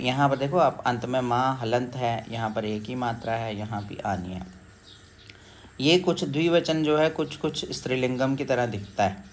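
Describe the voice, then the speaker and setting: A man teaching a school Sanskrit lesson, patiently repeating words slowly and checking in with his listeners. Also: medium pitch, slight background noise. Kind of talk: explaining a school textbook lesson.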